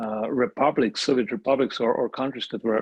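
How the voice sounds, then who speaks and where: In an Estonian accent, a man speaks at a medium pitch with ordinary pitch variation. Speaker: pastor. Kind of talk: interview. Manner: halting, many fillers and repetitions.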